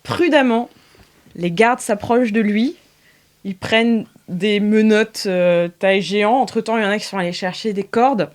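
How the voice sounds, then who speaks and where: A woman's voice: mid-range voice, normal speed. A woman running an improvised tabletop game as game master, narrating casually and hesitantly in a studio. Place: recording studio. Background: music.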